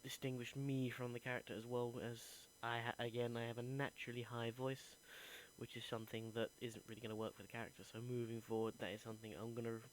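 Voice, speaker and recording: A young man talks through his week in an earnest, thinking-aloud way. His pitch is mid-range and barely moves. A faint hum sits under the recording. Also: level tone, fast talker, poor audio. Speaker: acting student. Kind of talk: reflective voice diary.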